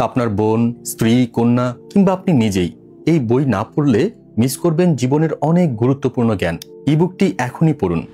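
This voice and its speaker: A male voice-over artist reads a scripted promotional book review in a measured, persuasive, explanatory way. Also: mid-range voice, sing-song, warm tone. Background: faint background music.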